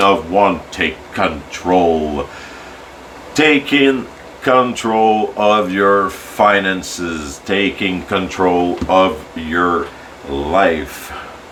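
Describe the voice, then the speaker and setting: Noticeable background noise and audible room echo surround this recording. A man speaks at a fairly low pitch with a Quebec French accent. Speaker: tarot reader. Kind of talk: tarot reading. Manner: halting.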